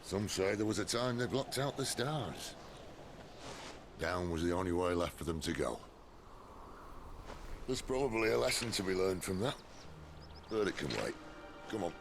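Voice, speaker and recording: Game role: worldly British rogue, wry, gravelly and lively, insect buzz behind. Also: male voice, deep voice, noisy background. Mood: musing. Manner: wry, folksy, unhurried banter. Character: roguish, wry, worldly male outlaw, middle-aged. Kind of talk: cinematic video game acting.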